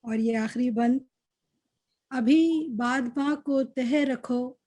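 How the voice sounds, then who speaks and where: A woman with a fairly high, soft-edged mellow voice recites verse at a literary gathering. Her delivery is very slow and measured, with couplets said over again. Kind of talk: slow Urdu poetry recitation.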